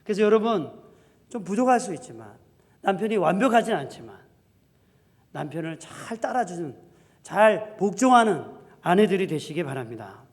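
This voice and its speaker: A man's voice: sits high, very animated, moderate pace. Emphatic male pastor in reverberant church. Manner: emphatic preaching, swings between loud declarations and soft asides. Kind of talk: sermon. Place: church sanctuary. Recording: long hall reverb.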